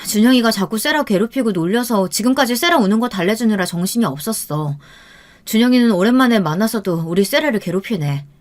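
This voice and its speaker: A woman's voice: medium pitch, animated, a little fast, lightly acted. Woman playing exasperated, reproachful young mother. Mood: weary reproach. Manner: reproachful, firm. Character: long-suffering, exasperated young mother standing her ground. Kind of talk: audio storybook drama.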